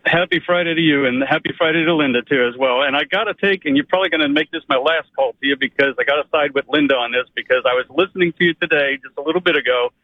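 A man from Pennsylvania calling in to a radio show, friendly and gently teasing. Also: on the high side, fast talker, few pauses, dry recording. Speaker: caller. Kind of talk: phone call to radio show. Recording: tinny phone line.

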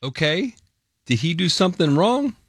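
Male, radio host, lively intonation, dry close studio mic, chatty, leading questions. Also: fairly high pitch, moderate pace, husky, no room sound. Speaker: radio morning show host. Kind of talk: radio call-in segment.

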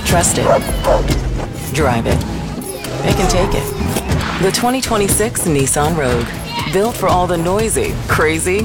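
A woman doing voice-over for a car commercial in a punchy, rhythmic delivery. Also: low-pitched.

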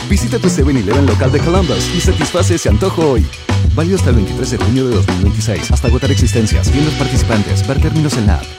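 A breezy ad voice half-sings its lines with a lively lilt. Music plays loudly behind it. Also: medium pitch, fast. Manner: breezy, sing-song. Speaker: ad voice-over. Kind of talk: sing-song ad read.

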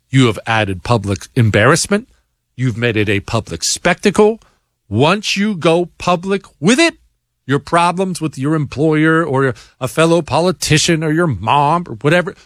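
A man's voice: on the high side, fairly bright tone, no room sound, clean studio sound. A man hosting a talk show, answering listener emails in a blunt, emphatic, combative monologue. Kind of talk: opinionated talk radio monologue.

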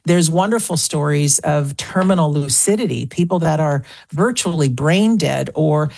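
Woman, sixties, husky raspy voice, dry close sound, earnest interview guest. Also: low-pitched, moderate pace, a little mellow, no room sound. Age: 60s. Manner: earnest, talks in lists and repeats phrases. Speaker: guest author. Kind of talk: radio interview.

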